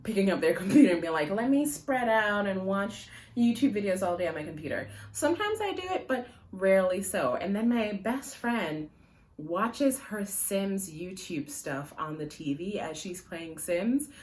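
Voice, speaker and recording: A personal finance vlogger whose first language is Jamaican Patois talks to a phone camera on a tripod at home. Her medium-pitched voice is animated and a little mellow at a moderate pace, and her casual vlog rambles with lots of fillers and frequent laughter.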